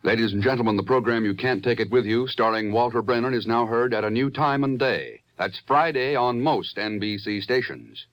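A man's voice: mid-range voice, normal speed, few pauses, no echo. An American man making formal network announcements in a 1950s radio style.

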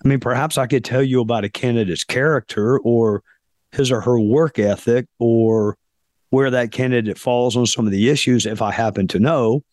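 Hoarse guy doing his podcast, slow and thoughtful, lots of uhs, medium pitch, dry sound. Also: a little mellow, no room sound. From South Carolina, US. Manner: deliberate, pausing often with fillers. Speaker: podcast host. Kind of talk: reflective podcast monologue.

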